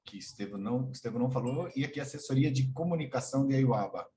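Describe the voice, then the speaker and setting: Against a noisy background, a Brazilian Portuguese-accented man races along in an animated, mid-range voice. He's hosting an online session on a video call, moderating and introducing the guests one after another.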